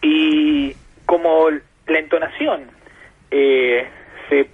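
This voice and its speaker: A husky, fairly high-pitched Argentine man talks extremely slowly with fairly even intonation, heard through a muffled phone line on the radio. He's the guest expert in an explanatory radio interview, speaking with an Argentine Spanish accent. His manner is patient and professorial as he builds his points with examples.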